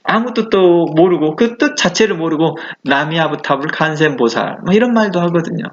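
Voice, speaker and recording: A man's voice: fairly high pitch, animated, normal speed, muffled recording. A male pastor giving a conversational sermon, asking the listeners questions and acting out the exclamations he quotes. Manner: conversational preaching with rhetorical questions.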